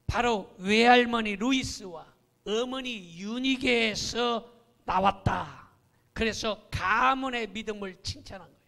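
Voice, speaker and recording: A man's voice: very high voice, gravelly, fairly bright tone. A middle-aged man preaching a sermon as pastor, emphatic and acting out the quoted voices.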